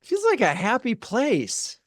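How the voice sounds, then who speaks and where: A middle-aged man with a Californian American accent, hosting an interview in a chatty, expressive, conversational way. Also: very high voice, slow pace, no echo, studio quality. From California, United States. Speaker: podcast host.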